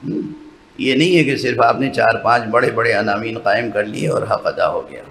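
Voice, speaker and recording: Speaking in a fairly low-pitched, fairly bright voice, a man who is a religious scholar delivers a sermon lecture to a mourning gathering. He lays out his points step by step, often turning to listeners with rhetorical questions. Faint background noise carries through an echoey hall.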